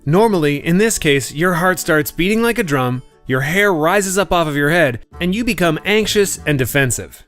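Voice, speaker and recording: A man's voice: on the high side, animated, moderate pace, hardly any pauses, a bit bright. A man reading scripted voice-over in a polished, articulate delivery. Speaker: voice-over artist. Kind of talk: scripted voice-over demo reads: commercial, explainer, narration. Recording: music bed behind the voice.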